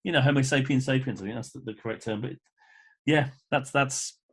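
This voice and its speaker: A man's voice: medium pitch, brisk, husky. A man in his fifties talking as a podcast guest in an enthusiastic, emphatic, rambling conversational way. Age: 50s. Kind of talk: casual conversational interview.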